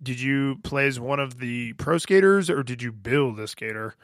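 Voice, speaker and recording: A man with a fairly deep voice co-hosting a podcast, rambling in casual chat with frequent fillers and laughs. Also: normal speed, no echo. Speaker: podcast co-host. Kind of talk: casual chat about a video game.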